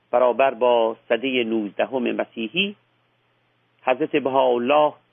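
At a very slow pace, a man talks at medium pitch with ordinary pitch variation. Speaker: religious historian and former professor. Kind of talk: scripted narration. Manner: formal.

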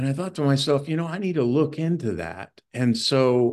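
A man with an American accent and a normal speaking voice talks at a moderate pace. His intonation is lively, and the background is quiet. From California. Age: 60s. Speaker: pastor and veterans counselor. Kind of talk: casual interview.

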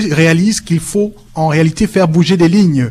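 Here a man's high voice moves at a moderate pace with ordinary pitch variation. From western Cameroon. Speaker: teacher. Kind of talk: formal debate. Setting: live radio broadcast before an audience.

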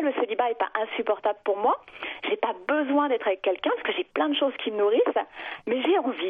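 A woman speaks with a high pitch. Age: 40s. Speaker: caller, entrepreneur and mother. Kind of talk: phone-in conversation. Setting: phone call.

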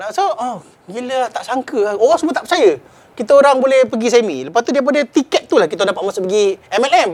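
A man's voice sits at an extremely high pitch and swings very widely up and down. Background noise is noticeable. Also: fairly quick pace. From Malaysia, Selangor (Shah Alam). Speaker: stand-up comedian and architect. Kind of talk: casual chat; rhyming comedy routine.

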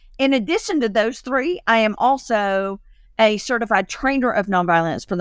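A woman with a Southern US accent speaks at a moderate pace with lively intonation on a very clean recording with a silent background. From US South, Georgia. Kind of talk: casual interview chat. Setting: call.

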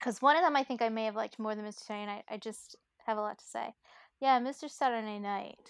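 Speaking at a very fast pace with an American accent, a woman uses a fairly high pitch, ordinary pitch variation and big swings in loudness over a quiet background. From Brooklyn, New York. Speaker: theater fan. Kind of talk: casual chat.

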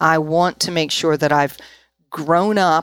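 In a very clean recording with a silent background, a woman uses a plain, everyday voice, fairly low in pitch, at a moderate pace with fairly even intonation. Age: 60s. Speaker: counselor and minister. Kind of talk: interview.

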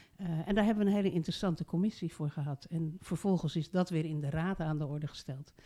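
A woman's very fast delivery with hardly any pauses, a dark, mellow tone and fairly low pitch, fairly even intonation, on a very clean recording with a silent background. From Rotterdam, Netherlands. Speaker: council member and former city alderman. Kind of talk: panel discussion, interview.

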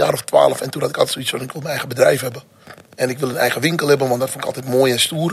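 A man speaks over noticeable background noise. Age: 40s. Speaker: entrepreneur, coworking space co-founder. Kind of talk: panel conversation before live audience.

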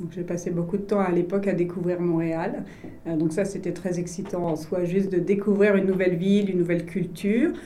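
A woman with a Parisian accent speaks at a medium pitch and a fairly quick pace, her intonation monotone and flat. Noticeable background noise and audible room echo surround her. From France, Paris. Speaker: health services executive. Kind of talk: interview.

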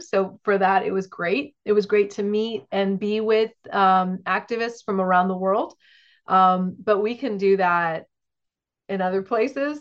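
A woman's medium-pitched, ordinary speaking voice at a fairly slow pace, with ordinary pitch variation and a quiet background. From US, child of Indian immigrants. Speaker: physician and activist. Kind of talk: casual interview conversation.

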